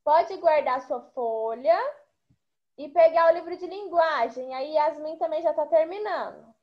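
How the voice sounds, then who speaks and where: A woman teacher giving an online class to young children, slow, patient and full of praise. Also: high voice. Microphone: video call. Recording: muffled video call audio.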